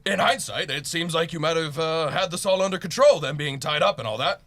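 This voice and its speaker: A man's voice: a little high, brisk, fairly bright tone, close to an everyday voice. A man playing a theatrical but bumbling, awkward monster hunter in a comic radio play. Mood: sheepish, casual. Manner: bombastic entrance, sheepish casual talk. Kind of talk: comedic audio drama acting.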